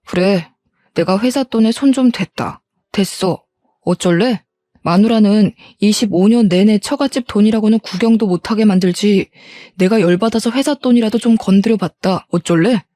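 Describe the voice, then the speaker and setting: A woman's voice: medium pitch, normal speed, mellow, dry recording, close to an everyday voice. Woman voicing a self-pitying spiteful husband. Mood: defiant. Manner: pleading then defiant, self-pitying. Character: resentful middle-aged husband, whiny and spiteful.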